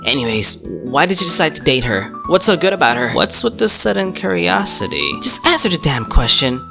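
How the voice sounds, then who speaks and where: A man's voice: on the high side, huge pitch swings, brisk, gravelly, music in the background, exaggerated voice. A man voicing a bossy, irritable teenage girl who scolds and swears in exasperation. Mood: irritated, scolding.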